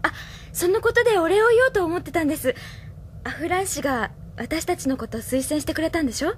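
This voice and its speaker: A polite, devoted young staffer. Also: female voice, very high-pitched, lively intonation, quick pace, slight background noise. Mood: sincere. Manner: polite, sincere, respectful. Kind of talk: radio drama acting.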